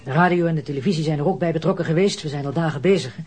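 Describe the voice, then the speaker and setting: An actor playing a polite, earnest and pressing police detective in a radio drama, explaining courteously in a husky voice. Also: male voice, fairly high pitch, very fast, darkish tone.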